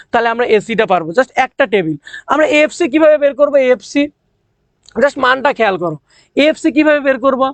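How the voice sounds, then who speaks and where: A young man from Bangladesh teaching an economics class, talking fast, repeating key points and quizzing students as he works through the numbers. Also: extremely high pitch, no echo. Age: young adult. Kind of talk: online class lecture.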